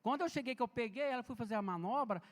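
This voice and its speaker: High-voiced man lecturing in a church hall. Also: racing. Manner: chatty, storytelling, addresses the audience directly. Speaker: health and safety speaker. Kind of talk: informal seminar lecture. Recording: long reverb in a big church hall.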